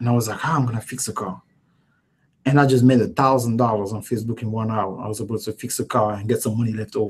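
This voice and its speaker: The speaker's somewhat breathy voice moves at a very fast pace. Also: man. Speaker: social media marketing trainer. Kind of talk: live training webinar. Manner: halting, repetitive.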